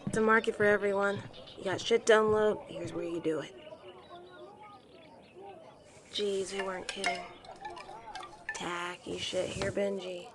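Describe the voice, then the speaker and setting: A woman's voice: medium pitch, steady tone, normal speed, heavy background noise, natural voice. Hard-bitten captain played by a woman, mid-range, commanding and sardonic, sci-fi radio play. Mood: curt, confrontational. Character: blunt, foul-mouthed, hard-bitten spaceship captain. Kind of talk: scripted audio drama acting.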